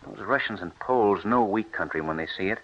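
An actor playing a determined wheat scientist who speaks in a driven, persuasive way, in an old radio drama. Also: male voice, on the low side, fairly quick. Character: determined wheat scientist husband, middle-aged man. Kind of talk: 1940s radio acting. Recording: dull lo-fi old radio recording.

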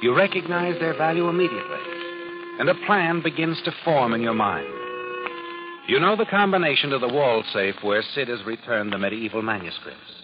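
A man's voice: mid-range voice, brisk, natural voice. An American actor playing a sly, all-knowing narrator in a 1940s radio crime drama, needling his listener in a knowing, insinuating way. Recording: dull vintage 1940s radio broadcast, loud music. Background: dramatic music.

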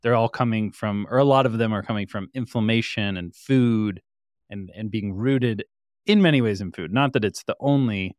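A man's voice: on the low side, normal speed, darkish tone, no room sound, clean studio sound. A man hosting his own interview show, asking friendly, upbeat questions in a casual way. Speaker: show host.

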